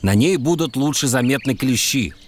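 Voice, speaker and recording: A man playing a doctor out mushroom picking, who explains safety rules calmly and patiently. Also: mid-range voice, normal speed, slight background noise, natural voice. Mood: instructive. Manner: calm, instructive, explains patiently.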